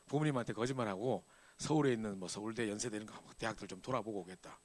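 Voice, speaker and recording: A middle-aged man preaching to a church youth group, telling a personal story in a lively, animated way. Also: on the low side, very fast. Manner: animated storytelling, acts out scenes. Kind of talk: sermon with personal testimony.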